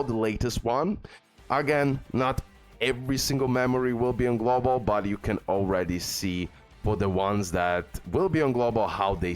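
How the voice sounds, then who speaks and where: A man hosting a gaming video, giving casual, informal guide commentary peppered with bro and okay. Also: fairly low pitch.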